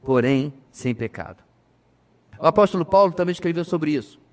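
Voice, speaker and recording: A man preaching a sermon as pastor, addressing the congregation as brothers, emphatic with slow pauses. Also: a little high, animated, a little mellow. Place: church. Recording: reverberant church hall.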